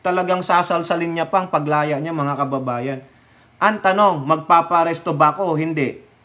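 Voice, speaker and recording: A man with a high voice delivers fired-up political commentary, jabbing at his subject with sarcasm and rhetorical questions. He's from the Philippines and turns often to address his viewers. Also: moderate pace, fairly bright tone.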